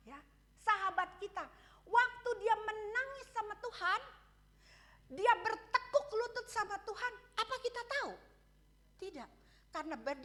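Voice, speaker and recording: High bright-voiced woman preaching. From Indonesia. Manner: asks the congregation questions, frequent "ya" and "betul?"; candid and conversational, shares personal stories. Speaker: pastor. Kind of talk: sermon.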